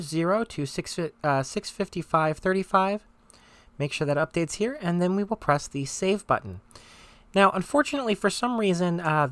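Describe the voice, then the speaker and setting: In a recording with no room sound, a mid-range voice narrates a software tutorial one step at a time. The tone is conversational while still instructional.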